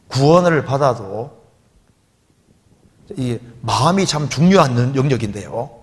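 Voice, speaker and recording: A male pastor delivers a sermon, answering a believer's question. He keeps asking his listeners rhetorical questions and quotes scripture along the way. His voice carries a long reverb tail. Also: medium pitch.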